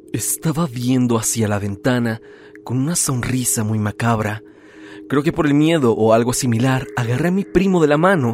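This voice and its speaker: The speech keeps a moderate pace and ordinary pitch variation, with noticeable background noise behind it. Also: man. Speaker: horror channel host reading listener stories. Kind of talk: scripted narration of listener-sent ghost stories, read aloud.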